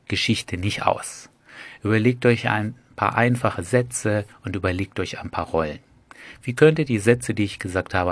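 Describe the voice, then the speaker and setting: Deep-voiced man calmly teaching. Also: dry recording. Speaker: storytelling coach. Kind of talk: spoken lesson.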